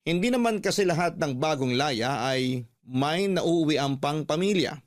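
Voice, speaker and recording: A man narrating in the first person as a father newly out of prison, in steady, reflective scripted radio drama storytelling. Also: on the high side, unhurried. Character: ex-prisoner father narrating his own letter. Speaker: narrator of a letter.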